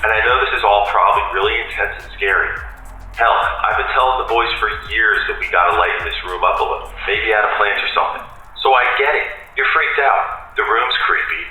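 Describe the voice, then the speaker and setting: Earnest detective, echoey room. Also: male voice, fairly low pitch, a little fast, bright, forceful tone. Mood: coaxing, earnest. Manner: earnest, coaxing, colloquial. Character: plain-spoken, patient male police detective, a father. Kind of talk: audio drama acting.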